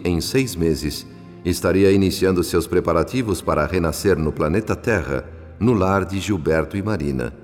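A Brazilian man playing a humble, reverent narrator in a radio drama, speaking in a measured, literary and solemn way. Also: deep voice. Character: reverent, moved male spirit narrator, humble disciple. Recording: long hall reverb, music behind. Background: music.

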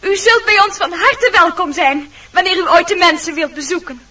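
A woman playing a gentle young fairy-tale bride in a radio play, declaiming verse lyrically and with care. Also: extremely high pitch, moderate pace, dry recording. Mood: grateful. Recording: dull old radio recording.

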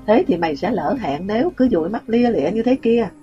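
A woman's voice: mid-range voice, lively intonation, brisk, highs cut off, faint music behind, close to an everyday voice. A brusque teenage boy, read by a woman narrator. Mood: impatient. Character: blunt teenage boy, a pushy school friend.

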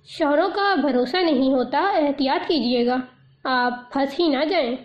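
A composed male army major speaks in a measured, reassuring manner, as a woman reads him. The voice sits high. The recording sounds muffled and lo-fi, as in an audiobook reading. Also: lightly acted. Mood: calm. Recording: dull lo-fi audio.

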